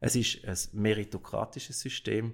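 A man talks at a fairly slow pace in a somewhat breathy voice, with ordinary pitch variation. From eastern Switzerland, St. Gallen. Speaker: lawyer. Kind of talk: interview. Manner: hesitant, many filler sounds.

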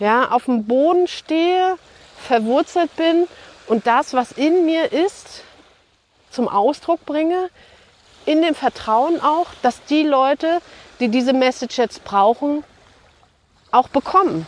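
Very slow speech from a woman with a high pitch, lively intonation, long and frequent pauses and very even loudness, a slight non-native accent, and a dry, close sound with no echo. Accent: slightly non-native German. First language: not German, multilingual (speaking German). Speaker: podcast host, EFT coach. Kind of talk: motivational podcast monologue. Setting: outdoors at the beach. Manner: casual, with fillers.

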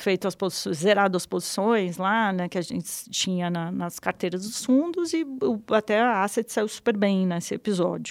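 At a moderate pace, a woman talks in a plain, everyday voice of medium pitch with ordinary pitch variation, on a very clean recording with a silent background. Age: 40s. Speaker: financial market professional and podcast host. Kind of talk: casual interview.

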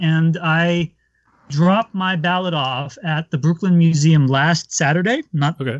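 A man talks with an American accent at a fairly slow pace. His voice is high-pitched. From Washington DC area, after early childhood in Turkey. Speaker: film critic. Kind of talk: casual chat.

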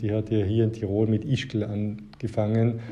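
A man's monotone, flat delivery with audible room echo. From Germany and Austria. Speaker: honorary consul. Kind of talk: interview.

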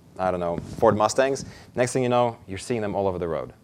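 A man with a non-native accent speaks at a fairly low pitch with ordinary pitch variation. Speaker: lay preacher filling in for pastor. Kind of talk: sermon. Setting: church with congregation. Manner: halting, many fillers and repetitions.

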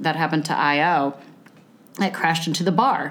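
A woman is speaking. Room echo is audible. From Northern California. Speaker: improv comedian and actress. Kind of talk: casual chat. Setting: video call.

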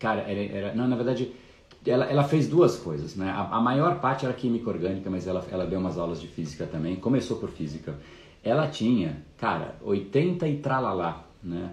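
In a Brazilian accent, a man talks at a moderate pace, somewhat breathy, his pitch swinging very widely. Audible room echo surrounds his voice. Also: fairly low pitch for a man. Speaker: communication and persuasion coach. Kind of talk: live stream talk. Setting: Instagram live stream.

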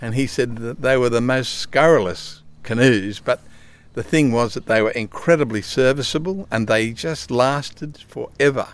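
Someone with an Australian accent speaks at a moderate pace. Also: man, medium pitch for a man, ordinary pitch variation. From Sydney, Australia. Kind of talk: casual interview. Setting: outdoors by a river.

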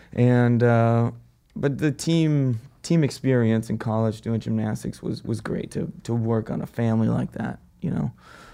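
Speaking with a plain, everyday voice, a man keeps a medium pitch, ordinary pitch variation and a moderate pace. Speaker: stuntman. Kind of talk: casual interview chat. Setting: studio.

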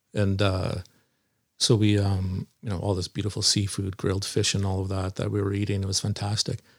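A man talks in a Canadian accent with a fairly low pitch. His intonation is monotone and flat, and his voice is somewhat breathy. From Vancouver Island, British Columbia, Canada. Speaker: lawyer and former First Nations chief. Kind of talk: casual interview. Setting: video call.

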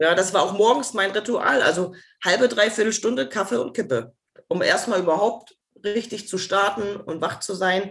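At a moderate pace, a woman speaks at a medium pitch with ordinary pitch variation in an unremarkable speaking voice. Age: 40s. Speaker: former smoker, coaching client. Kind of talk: interview.

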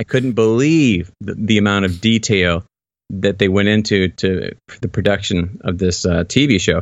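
A man with a plain, everyday voice speaks at a moderate pace and a fairly low pitch, with ordinary pitch variation. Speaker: podcast co-host, knife thrower. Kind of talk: casual chat.

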